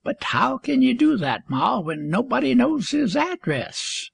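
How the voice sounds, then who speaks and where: A woman's voice: on the high side, big pitch swings, a little slow, gravelly, breathy edge, no room sound, exaggerated voice. A woman doing a meek, stammering old farmer. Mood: feeble. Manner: hesitant, feeble, stammering.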